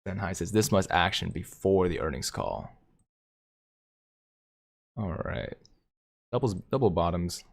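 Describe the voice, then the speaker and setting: A man hosting a live stream, commenting on stock charts and reading viewer comments aloud with excitement. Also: deep voice, measured pace, creaky, long pauses. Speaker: livestream host.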